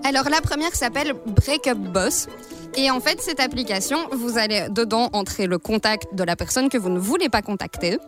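A woman's voice: a little high, normal speed, music in the background. A young woman presenting her segment on a radio show in a studio, chatty and lightly amused. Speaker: intern and columnist.

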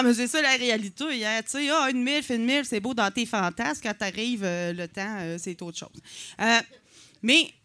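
A woman in her forties from Quebec City, Canada, with a Quebec French accent, performs a chatty, self-mocking stand-up set at a comedy night, full of filler words. Her voice is fairly high, pushed and bright, with slight background noise.

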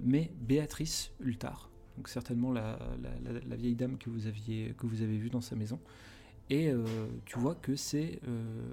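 A man's voice: mid-range voice, gravelly, dark tone. A man narrating a tabletop role-play game as game master, hesitant and full of restarts.

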